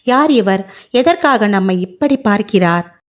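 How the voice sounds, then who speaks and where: A gentle young bride and daughter from a read-aloud story, speaking softly and earnestly, voiced by a woman narrator. Her lines come at an unhurried pace, with mid-range pitch. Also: expressive, natural voice. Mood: puzzled concern.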